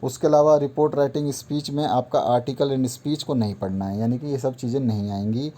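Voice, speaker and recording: A man's voice: medium pitch, fairly quick, warm tone. A male teacher going through an exam syllabus item by item, repeating points in an instructive, patient way. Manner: repetitive, instructive, walks through a list item by item. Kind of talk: explaining a syllabus to students.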